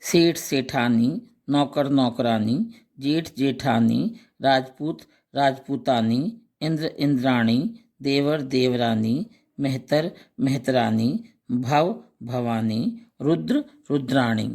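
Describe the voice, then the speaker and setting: A man teaching a grammar lesson, slowly reciting pairs of words one by one and adding short explanations. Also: medium pitch, creaky, darkish tone. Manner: slow, deliberate recitation of word lists with brief explanations.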